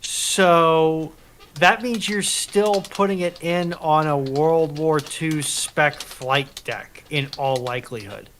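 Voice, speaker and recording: A man's voice: on the high side, takes it slowly, fairly bright tone, slight background noise. A man in a casual military history discussion, explaining things in an insistent way.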